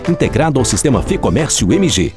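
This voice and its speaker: A man's voice: mid-range voice, very animated, fast. A man reading an inviting commercial voice-over. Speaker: ad announcer. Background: music.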